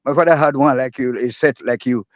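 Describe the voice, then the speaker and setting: A man's voice: medium pitch, a little fast, dry recording. Rambling Nigerian man on a dull stream. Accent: Nigerian, Pidgin-inflected. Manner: rambling, laughing, emphatic, repeats himself. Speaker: caller in a live audio room. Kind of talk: casual live-room chat. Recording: dull lo-fi dry stream audio.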